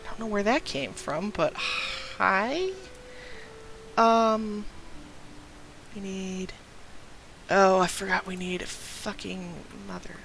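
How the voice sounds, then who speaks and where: A man's voice: high voice, takes it slowly, creaky, long pauses, fairly bright tone, slight background noise. A young trans man with a light, youthful-sounding voice chatting casually on a game stream, rambling through stories, laughing often and breaking off to greet viewers. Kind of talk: casual live-stream chat.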